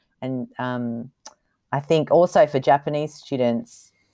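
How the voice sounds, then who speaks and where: In an Australian accent, a woman speaks with a dark, mellow tone and a very deep, low pitch. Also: dry, close sound with no echo. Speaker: missionary. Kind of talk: interview testimony. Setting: remote call from Japan.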